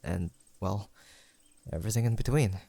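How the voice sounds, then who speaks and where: A man acting an affectionate young best friend in an intimate audio roleplay. His voice sits fairly low and is recorded close and dry. He chats gently and sincerely, with a playful, teasing streak. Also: moderate pace, creaky, no room sound. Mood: playful, fond. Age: young adult.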